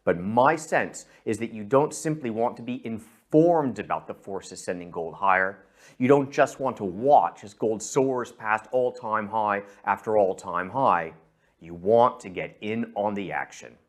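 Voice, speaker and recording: A middle-aged man from San Francisco with an American accent, presenting a scripted investment pitch and speaking directly to the listener. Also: unhurried. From San Francisco, USA. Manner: persuasive, addresses the listener directly.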